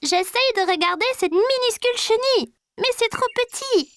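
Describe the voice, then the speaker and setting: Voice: extremely high pitch, animated, moderate pace, a bit bright, a little hiss or hum, full character voice. An actor voicing a cheerful, curious preschool boy in a children's cartoon dub, with simple, wide-eyed childlike phrasing.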